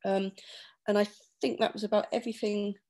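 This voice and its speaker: A woman speaks on an online panel over a webcam, at a middling pitch. Her delivery is thoughtful and a little tentative as she works through her points. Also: little pitch movement, a little fast, a little mellow. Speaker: university lecturer and school manager. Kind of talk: panel presentation. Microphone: laptop webcam on a video call.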